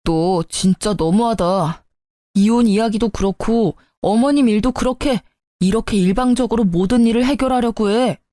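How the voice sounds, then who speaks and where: A defensive husband in a narrated family story, voiced by a woman narrator, pleads and justifies himself. The delivery stays mellow and dry, close to the narrator's own tone. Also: on the high side, moderate pace, no room sound, lightly acted. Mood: accusing.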